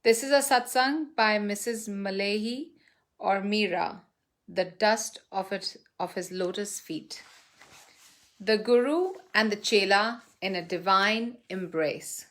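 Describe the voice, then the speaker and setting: A woman reading a written devotional testimonial aloud in a reverent, measured way, phrase by phrase with pauses. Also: medium pitch, a bit bright.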